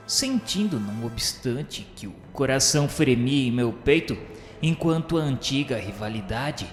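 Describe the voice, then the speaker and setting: A man's voice: medium pitch, lightly acted. Radio drama role: embittered, obsessive male inquisitor played by a man, Brazilian accent, solemn theatrical narration, echoing hall, music underneath. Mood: seething. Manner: solemn, literary, theatrical delivery. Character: embittered, obsessive inquisitor recalling forbidden love and rivalry. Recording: echoey hall reverb, music behind.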